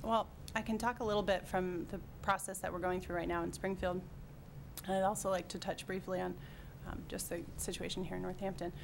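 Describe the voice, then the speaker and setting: Amid noticeable background noise, a woman talks at a fairly quick pace with long, frequent pauses. Her intonation is monotone and flat, with vocal fry. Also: medium pitch for a woman. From western Massachusetts. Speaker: school administrator, superintendent candidate; candidate. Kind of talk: job interview. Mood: friendly, confident. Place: meeting room. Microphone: podium.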